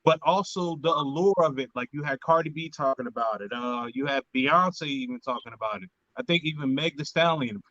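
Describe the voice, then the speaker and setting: A man hosting a casual money talk show, speaking haltingly with many fillers and restarts. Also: a little high, fairly bright tone, no room sound. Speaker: podcast host. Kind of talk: casual panel chat. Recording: dull, dry lo-fi audio.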